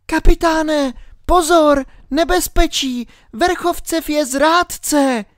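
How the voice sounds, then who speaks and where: A high, bright child's voice full of pluck, a curious and brave little girl voiced by a man reading a storybook aloud. Her calls leap up sharply in pitch. The recording is close and dry. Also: lively intonation, dry recording. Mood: alarmed.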